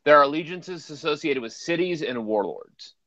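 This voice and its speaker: A man's voice: a little high, expressive, normal speed, bright, forceful tone, dry recording. A man with a Boston accent co-hosting a casual gaming podcast, laid-back and brief, calling in from his phone. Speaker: podcast co-host. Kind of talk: casual chat. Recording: dull phone audio.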